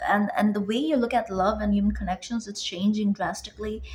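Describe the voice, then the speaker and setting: A woman keeps a fairly quick pace while music plays behind her. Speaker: tarot reader. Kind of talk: tarot reading to viewers. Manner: fast; casual, rambling asides.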